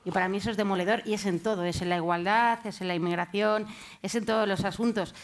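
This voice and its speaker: A woman journalist speaking on a discussion panel, pausing often with fillers. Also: medium pitch, steady tone. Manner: hesitant, many fillers.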